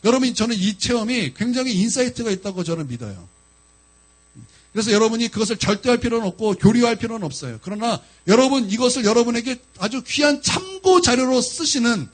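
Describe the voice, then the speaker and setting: A man's voice: very high-pitched, fairly bright tone. A man preaching a sermon as a pastor, emphatic and often turning to the congregation directly.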